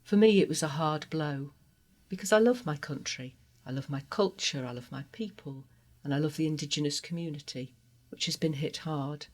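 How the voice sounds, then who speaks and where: Earnest trans woman from Guatemala. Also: low-pitched. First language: Spanish. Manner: earnest, heartfelt, measured. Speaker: interview guest. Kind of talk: personal testimony interview.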